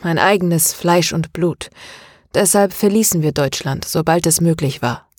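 A woman reading a calm, weary father. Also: lowish voice, no echo, studio quality. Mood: confessing. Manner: calm, even and measured. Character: calm, weary middle-aged father confessing.

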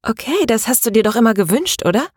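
A woman's voice: medium pitch, very animated, fairly quick, a little mellow, slightly rough, no echo, clean studio sound, voice pushed up. A woman narrator voicing a curious, caring young woman who asks her friend attentive questions.

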